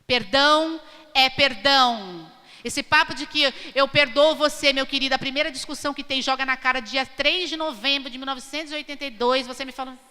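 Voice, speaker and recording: Brief: Brazilian woman pastor, high bright voice, emphatic sermon, reverberant church hall. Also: fairly even intonation, fast talker, few pauses. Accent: Brazilian Portuguese. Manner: emphatic, questioning the congregation.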